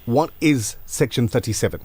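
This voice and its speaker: A man hosting a live breakfast radio show, chatting with a guest and reading out listener messages in a relaxed way. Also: medium pitch, normal speed, slightly rough.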